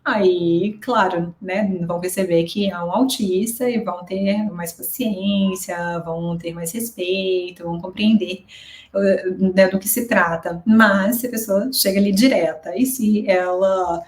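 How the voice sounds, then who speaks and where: A woman's voice: medium pitch, fairly even intonation, measured pace, roomy sound. A woman psychologist with a Brazilian Portuguese accent, explaining a numbered list of signs in a patient teaching talk, often adding "né". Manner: explanatory, frequent "né" tags and small restarts.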